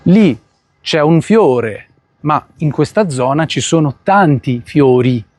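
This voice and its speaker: Guy giving a lesson outside on a phone, kinda high voice, dry sound, slows down to spell stuff out. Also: animated, a little mellow, dry recording. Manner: switches between Portuguese and Italian, spells out sounds slowly. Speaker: Italian teacher. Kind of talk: outdoor language lesson. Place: outdoors in a town. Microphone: phone recording.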